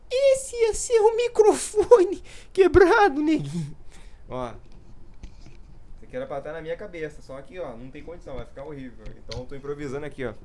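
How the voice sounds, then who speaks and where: A man in his thirties chatting casually in a vlog, rambling and losing his train of thought, poking fun at himself. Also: medium pitch. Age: 30s. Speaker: gaming youtuber.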